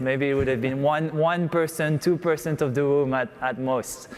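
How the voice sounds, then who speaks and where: A man with a French accent talks at a moderate pace and fairly high pitch. His intonation stays fairly even against noticeable background noise. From France. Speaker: tech company co-founder. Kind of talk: onstage interview.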